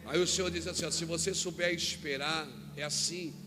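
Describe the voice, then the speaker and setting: A Brazilian man preaching a sermon as a pastor, telling a personal story with quoted dialogue and rising to shouts at the peaks. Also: fairly high pitch, steady tone, fairly quick, noisy background. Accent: Brazilian Portuguese. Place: church event hall.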